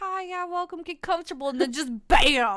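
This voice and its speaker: A woman speaks at an extremely high pitch in a raised, projected voice. Her tone is bright and sharp, with very wide pitch swings. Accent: Southern California. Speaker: podcast co-host. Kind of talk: casual chat.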